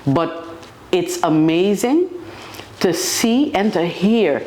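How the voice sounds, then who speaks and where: A woman's voice: on the low side, lively intonation, takes it slowly, mellow, a little hiss or hum. A woman with an Aruban accent, a carnival band leader talking casually in an interview. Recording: roomy, echoing interview sound.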